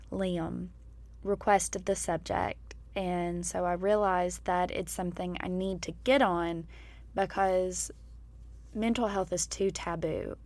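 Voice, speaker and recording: A woman in her twenties hosting her own podcast, speaking hoarsely after straining her voice, and talking in a candid, reflective way about her own experience. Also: lowish voice, dry recording. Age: 20s. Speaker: podcast host. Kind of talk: personal podcast monologue.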